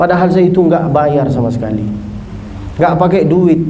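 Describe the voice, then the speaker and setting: Lively intonation in an Arabic accent, with noticeable background noise and audible room echo. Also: man. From Saudi Arabia, Mecca. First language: Arabic (speaking Indonesian). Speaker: preacher. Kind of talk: sermon. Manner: animated.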